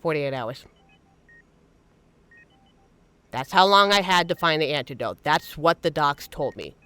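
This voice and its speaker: A woman's voice: low-pitched, expressive, normal speed, pushed and bright, smooth, no echo. A woman playing a fiercely protective secret agent in an emotional, emphatic dramatic audio roleplay. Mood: tense, subdued. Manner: emotional, scolding, emphatic, swearing. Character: normally suave female secret agent, fiercely protective, angry and anguished. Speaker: voice actor in a scripted audio roleplay.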